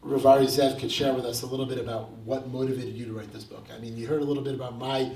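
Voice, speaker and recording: A man's voice: medium pitch, level tone, fast talker, a little mellow. A man moderating a book launch, enthusiastic and repeating his words as he introduces the author. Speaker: event host. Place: event hall. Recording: roomy hall sound, mic at a distance.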